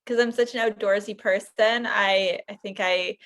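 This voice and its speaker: A woman's voice: mid-range voice, steady tone, normal speed, a bit bright. A woman with a Canadian accent chatting casually as a podcast co-host. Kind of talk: casual chat.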